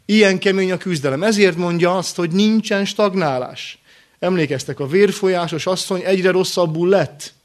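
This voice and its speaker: A man preaching a sermon in short, earnest phrases with rhetorical questions and pauses. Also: high-pitched.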